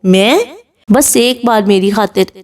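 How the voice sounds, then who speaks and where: A woman's voice: mid-range voice, a little mellow, distant mic, close to an everyday voice. A woman voicing a heartbroken young woman who speaks in a tearful, pleading tone in a storybook reading.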